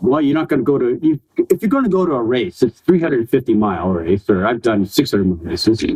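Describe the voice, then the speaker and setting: A man's fairly high voice with vocal fry, very wide pitch swings and a fairly quick pace. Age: 60s. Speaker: retired iron worker and army veteran, adventure racer. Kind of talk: podcast interview. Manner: animated.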